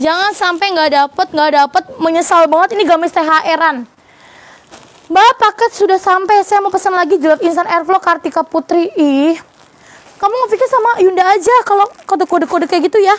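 An animated woman's voice at an extremely high pitch, with ordinary pitch variation, very even loudness and a moderate pace. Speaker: clothing seller. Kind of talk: live sales pitch. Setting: live stream. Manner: animated, chatty. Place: shop. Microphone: phone near.

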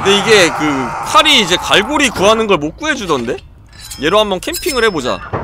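An animated man with a raised, projected voice, high pitch and very wide pitch swings at a moderate pace, dry with no echo, over noticeable background noise. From South Korea. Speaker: gaming streamer. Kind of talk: live gameplay commentary.

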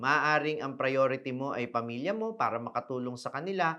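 A man speaks at a moderate pace in a bright, sharp tone, his pitch swinging very widely against a quiet background. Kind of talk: advice podcast monologue.

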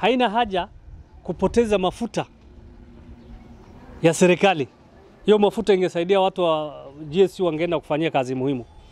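A man with a high pitch speaks at a moderate pace with ordinary pitch variation and long, frequent pauses, the sound dry with no echo. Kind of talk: press statement. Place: street. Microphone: handheld.

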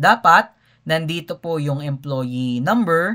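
Ordinary pitch variation runs through a plain, everyday voice. The recording is very clean, with a silent background. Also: man. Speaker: accounting lecturer. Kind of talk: lecture. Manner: casual Taglish with frequent fillers.

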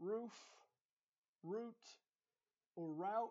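The speaker has a Texas accent and talks at a very slow pace with ordinary pitch variation. The background is quiet. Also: woman. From Dallas, Texas. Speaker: accent tag participant. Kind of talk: casual talk to camera, accent tag answers. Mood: relaxed, slightly hesitant. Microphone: webcam.

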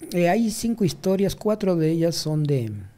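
Dark and mellow in tone. The pace stays moderate. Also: man. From Ecuador. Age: 50s. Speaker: professor and author; guest. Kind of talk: interview conversation. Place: studio. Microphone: studio mic.

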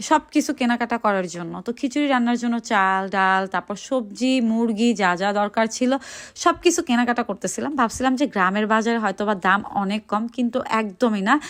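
A woman with an ordinary speaking voice talks at a fairly high pitch, her pitch varying in an ordinary way, on a very clean recording with a silent background. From Bangladesh, Dhaka. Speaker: vlogger. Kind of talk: vlog narration.

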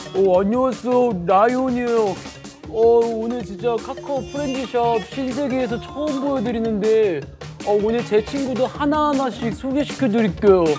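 A put-on character voice, female-sounding, husky and strained, speaks at a fairly high pitch and moderate pace with clear music in the background.

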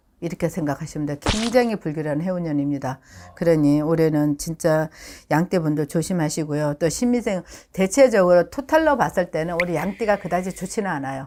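At a fairly quick pace, a woman with a fairly low pitch and a dark, mellow tone speaks with ordinary pitch variation, on a very clean recording with a silent background. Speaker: shaman fortune teller. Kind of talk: fortune telling consultation.

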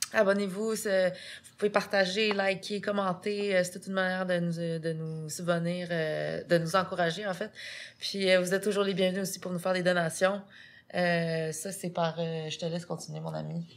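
The voice belongs to a woman. She keeps a moderate pace, and her intonation stays flat and monotone. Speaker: podcast host. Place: studio. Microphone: studio mic.

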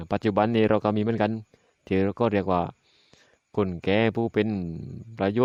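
A plain, everyday voice from a man, fairly low in pitch with fairly even intonation, dry and close with no echo over a quiet background. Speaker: Buddhist monk giving a dhamma talk. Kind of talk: radio dhamma sermon. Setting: radio broadcast.

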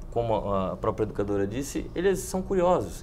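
A man speaks at a moderate pace with very wide pitch swings. Light background noise is present. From Bauru, interior of São Paulo state; São Paulo state. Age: 30s. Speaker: fire department captain; guest. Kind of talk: studio debate. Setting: studio. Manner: formal. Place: studio. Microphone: lapel.

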